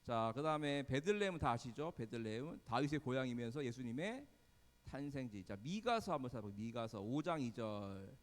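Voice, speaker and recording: A male pastor teaching a Bible study, quizzing his listeners with frequent questions and quick asides. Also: medium pitch, long reverb tail. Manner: lively, quizzes the congregation with questions.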